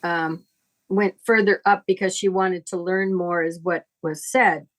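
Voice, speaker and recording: A middle-aged woman teaching informally in conversation, explaining things in a halting, deliberate, reflective way. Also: fairly low pitch, steady tone. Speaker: astrology teacher.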